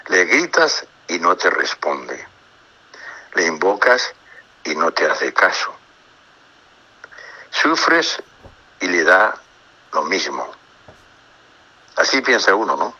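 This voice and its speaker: A priest speaks slowly and reflectively in a radio religious talk, reading psalms and pausing to comment. His voice is husky but bright and forceful, and it sits low. He often stumbles and repeats words as he gathers his thoughts. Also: big pitch swings, rough recording. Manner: unhurried, reflective, reads psalms aloud and comments; frequent hesitations and repeated words. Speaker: priest giving religious talks. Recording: radio broadcast.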